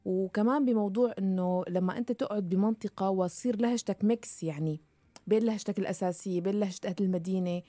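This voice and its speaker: Woman, Syrian accent, podcast host, rapid speech, dry studio sound. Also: medium pitch, warm tone, dry recording. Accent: Syrian Levantine Arabic. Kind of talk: conversational interview. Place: radio studio.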